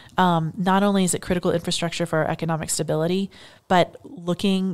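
Monotone, flat delivery from a woman with an American accent, fairly low pitch and fairly quick pace. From Texas. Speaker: nonprofit chief executive. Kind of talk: interview. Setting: in person at the organization's building.

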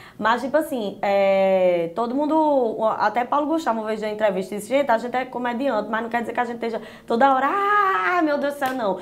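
Animated and lively in intonation, a high-pitched woman talks at a fairly quick pace with a strong northeastern Brazilian accent. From Paraíba sertão, Brazil (Solânea); Paraíba, Brazil. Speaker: comedian youtuber; interview guest, comedian. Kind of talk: TV interview. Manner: loud. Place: studio.

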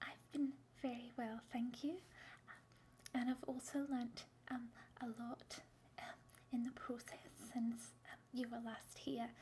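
Soft-spoken woman with a high pitch and a dark, mellow tone, fairly slow and monotone, with long, frequent pauses and light background noise. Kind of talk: soft-spoken role-play exam talk. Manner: soft, hesitant awkward doctor voice. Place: home room. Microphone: webcam.

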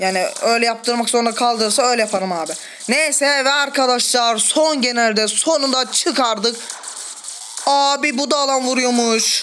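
Over noticeable background noise, a man speaks in a raised, projected voice at an extremely high pitch. His tone is animated, his loudness very even, his pace moderate and his pitch variation ordinary. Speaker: gaming video creator. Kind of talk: gameplay commentary.

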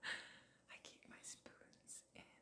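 A woman whispers in a calm tone. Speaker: ASMR creator. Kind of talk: ASMR haul video, soft talk to camera. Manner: soft-spoken, whispery, calm. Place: home room. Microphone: phone near.

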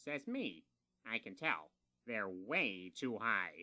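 A man speaks in a cartoonish character voice at a medium pitch. His pace is very slow. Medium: puppet.

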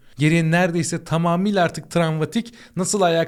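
The man's voice is high in pitch. He speaks at a moderate pace. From Turkey. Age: 30s. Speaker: podcaster, content creator. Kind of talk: personal monologue. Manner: reflective, subdued.

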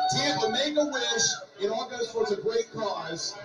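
Loud background noise fills the clip. A man talks over it at a moderate pace. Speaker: charity auctioneer. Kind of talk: auction opening pitch to the crowd. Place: hall.

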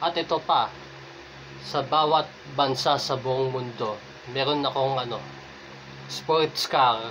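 Speaking at a very slow pace, a man is heard over light background noise. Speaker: vlogger telling a playful story. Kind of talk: casual vlog chat in Filipino. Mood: playful, joking boastful tall tale. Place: home room. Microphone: phone near.

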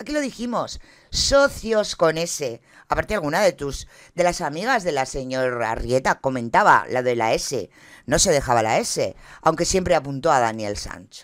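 A woman talks in an animated tone at a moderate pace. The background is quiet. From Spain. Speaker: streamer commenting true crime. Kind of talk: live stream commentary. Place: home room. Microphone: studio mic.

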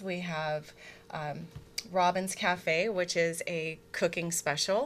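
Over light background noise, a woman talks at a very slow pace in a fairly low pitch, her tone bright and sharp and her intonation fairly even. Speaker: guest. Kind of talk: interview answer. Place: studio. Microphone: studio mic.

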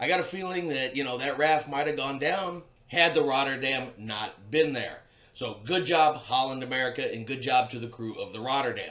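A man is speaking at a moderate pace. His pitch variation is ordinary. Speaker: cruise news host. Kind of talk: casual news commentary. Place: home room.

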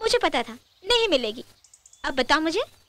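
A woman speaks at a moderate pace with very wide pitch swings, in a dry sound with no echo. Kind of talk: film dialogue.

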